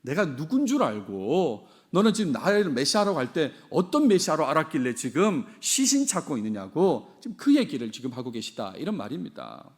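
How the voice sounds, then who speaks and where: Middle-aged male pastor, fairly high voice, very animated delivery, echoes his key lines back to the pews. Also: normal speed, few pauses. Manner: expressive, repeats key phrases, asks the congregation questions. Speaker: senior pastor. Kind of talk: sermon.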